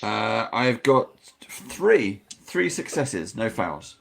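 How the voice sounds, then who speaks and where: Man, player, calm, gravelly, slow, faint noise behind. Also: lowish voice.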